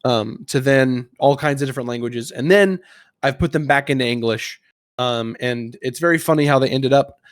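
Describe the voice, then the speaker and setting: A man's voice: medium pitch, moderate pace, no echo, studio quality. A man hosting a casual gaming podcast, explaining a quiz in an informal, conversational way. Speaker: podcast host.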